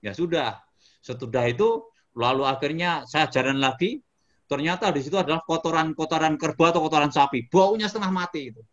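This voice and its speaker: A middle-aged man from Indonesia, a motivational speaker telling a story in a casual interview, animated and breaking into sudden shouts. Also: on the high side, a little fast, dull audio.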